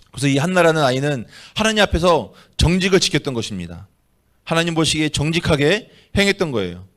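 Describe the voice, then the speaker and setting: A man, an associate pastor, preaching a sermon and telling a story with quoted dialogue. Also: fairly high pitch.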